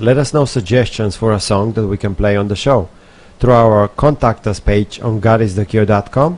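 A man talks at a fairly quick pace and medium pitch with ordinary pitch variation. He has an unremarkable speaking voice. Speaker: co-host, physician. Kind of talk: radio co-host discussing medical information.

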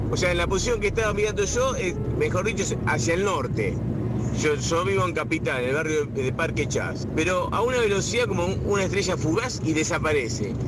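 Noticeable background noise sits behind a man with a Rioplatense accent speaking at a fairly quick pace. His voice is fairly high for a man, with very wide pitch swings and very even loudness. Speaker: radio listener sending voice message. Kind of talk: personal story. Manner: halting.

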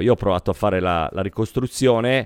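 A man's husky, fairly low voice at a moderate pace, the sound dry and close with no echo. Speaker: sports podcast host. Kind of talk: casual chat about basketball. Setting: live stream.

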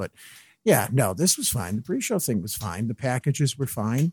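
A man talks in a medium pitch with a somewhat breathy quality. The recording is very clean, with a silent background. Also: dry, close sound with no echo. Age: 40s. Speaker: wrestling podcast co-host. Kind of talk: casual chat. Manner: animated.

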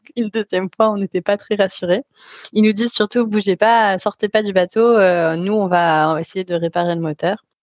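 At medium pitch, a woman talks at a moderate pace with fairly even intonation. The sound is dry and close with no echo, over a quiet background. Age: 20s. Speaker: traveller telling her travel story. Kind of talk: personal travel testimony. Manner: hesitant, many fillers and restarts.

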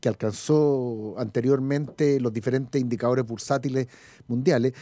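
A man talks with a dark, mellow tone and a Chilean accent. The recording is very clean, with a silent background. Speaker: financial market commentator. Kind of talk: casual chat.

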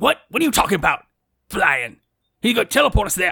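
In a raised, projected voice, a man talks at a very fast pace with extremely high pitch and very wide pitch swings, in a dry, close sound with no echo. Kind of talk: comic impression. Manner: gruff, blustering.

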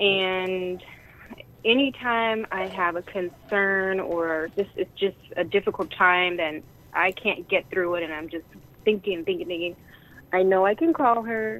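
Her voice is a plain, everyday voice, medium in pitch with ordinary pitch variation, moving at a fairly slow pace. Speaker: caller, longtime client.

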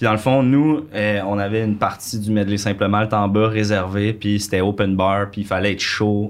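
A fairly low-pitched man at a moderate pace with hardly any pauses and fairly even intonation, over noticeable background noise. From Quebec, Deux-Montagnes / Saint-Eustache. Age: 30s. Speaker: comedian and former construction worker. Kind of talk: casual chat.

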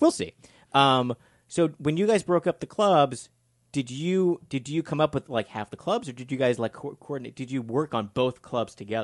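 A man with an unremarkable speaking voice talks at a fairly high pitch and a moderate pace, his intonation lively. The sound is dry and close with no echo, and the background is quiet. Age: 40s. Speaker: podcast host, humor magazine editor. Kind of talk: casual interview chat.

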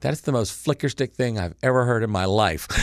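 Delivery is very fast from a man at medium pitch. His pitch variation is ordinary. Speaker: podcast host. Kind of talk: casual chat. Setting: in person, same room. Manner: animated.

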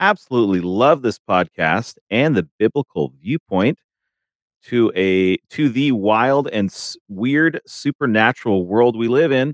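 A plain, everyday voice from a man at medium pitch, with lively intonation at a fairly slow pace, against a quiet background. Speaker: podcast co-host. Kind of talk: casual chat.

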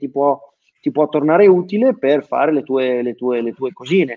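A man speaks at a fairly quick pace in a fairly high voice. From Italy, countryside. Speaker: basketball photographer. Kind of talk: interview conversation. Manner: halting.

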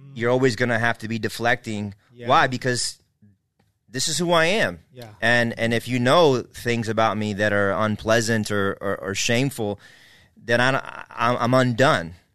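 Against a quiet background, a man speaks loudly at a moderate pace. His tone is bright and sharp. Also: medium pitch for a man, ordinary pitch variation. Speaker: pastor and podcast host. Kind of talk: casual podcast conversation. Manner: loud, talkative.

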